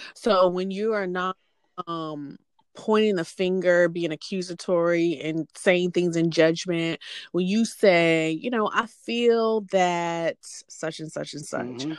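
Over a quiet background, someone with an American accent speaks very slowly, with ordinary pitch variation and big swings in loudness. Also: woman, fairly low pitch for a woman. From Virginia, Hampton. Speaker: therapist. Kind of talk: interview. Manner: hesitant, many fillers.

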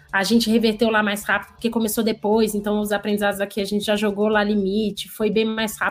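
A woman with a slight Minas Gerais accent talks very fast in a flat monotone at a fairly high pitch, hardly pausing, over noticeable background noise. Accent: slight Minas Gerais (mineiro). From Minas Gerais, Brazil. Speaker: designer and podcast co-host. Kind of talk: casual podcast chat.

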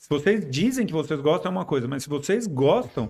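In an ordinary speaking voice, a man talks at a fairly high pitch with lively intonation. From São Paulo city, Brazil. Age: 40s. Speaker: car enthusiast and project car builder. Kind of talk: casual interview chat.

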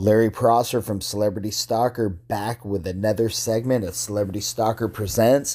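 The voice has a dark, mellow tone and fairly even intonation at a moderate pace. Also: man. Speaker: music segment host. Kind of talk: radio DJ patter, band intros. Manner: casual, punchy, laid-back.

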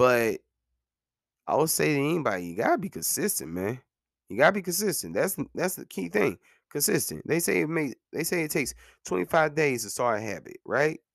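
A man's animated tone with vocal fry, fairly high pitch, very wide pitch swings and a fairly quick pace. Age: 30s. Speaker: podcast host. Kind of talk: casual monologue.

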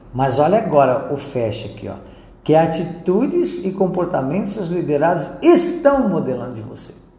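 A man with a high pitch speaks at a moderate pace, with very wide pitch swings and big swings in loudness. Audible room echo and noticeable background noise surround him. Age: 40s. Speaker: leadership coach. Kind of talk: workshop talk. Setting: meeting room with small live audience. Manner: animated.

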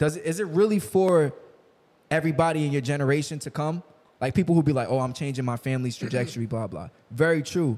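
A man's fairly high voice races along at a very fast pace. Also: ordinary pitch variation. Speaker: livestream podcast host. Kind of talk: casual chat. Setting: studio. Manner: animated.

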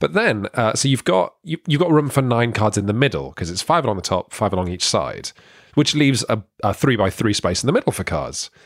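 In a very clean recording with a silent background and a dry, close sound with no echo, a man with a British accent talks at a fairly quick pace at medium pitch, with very wide pitch swings. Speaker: board game podcast co-host. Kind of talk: casual chat.

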